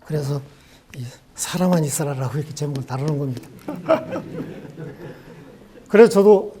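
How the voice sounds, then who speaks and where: A man's voice: on the high side, lively intonation, normal speed, dark tone. A man in his sixties from Jeolla, South Korea, a law professor giving a farewell lecture full of reflective personal anecdotes in a university lecture room. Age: 60s.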